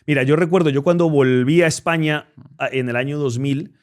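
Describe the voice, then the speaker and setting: A man's voice: a little high, fairly quick. A man in his forties with a blend of Spanish and Latin American accents, speaking as an interview guest in an emphatic way and often repeating words while he gathers his thoughts. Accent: mixed Spanish and Latin American. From Spain. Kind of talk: conversational interview.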